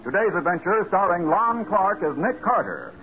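A man's voice: high voice, sing-song, normal speed, breathy edge. A man announcing and narrating a 1940s radio drama in a formal announcer's delivery. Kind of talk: scripted narration. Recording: muffled old radio broadcast with hiss.

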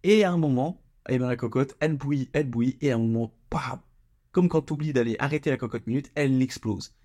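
A man's voice: medium pitch, steady tone, quick pace, mellow. Young man, solo podcast host; casual slangy delivery, frequent stumbles and repeated words.

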